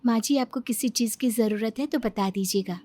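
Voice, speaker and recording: A woman voicing a quick-witted young daughter-in-law who talks back in an animated story. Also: fairly high pitch, dry recording, natural voice. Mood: sweet.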